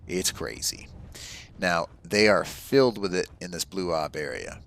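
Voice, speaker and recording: A man's voice: low-pitched, expressive, unhurried, gravelly, a bit bright. A man hosting a game walkthrough, talking viewers through spots on the map in an enthusiastic, casual way. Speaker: gaming channel host.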